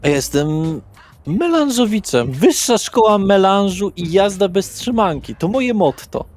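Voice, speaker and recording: A man's voice: high-pitched, big pitch swings, unhurried, darkish tone, soft background music, voice pushed up. A man playing a brash, euphoric young party guy in a roleplay session, swearing and talking in cocky slang. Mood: boastful, rowdy. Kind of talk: improvised tabletop roleplay acting.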